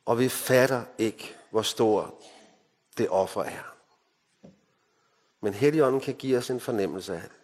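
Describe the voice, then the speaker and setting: A man from Denmark preaching a sermon, moving between emphatic lines and hushed, solemn ones. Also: medium pitch, pauses often, slightly rough. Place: mission hall. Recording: hall reverb.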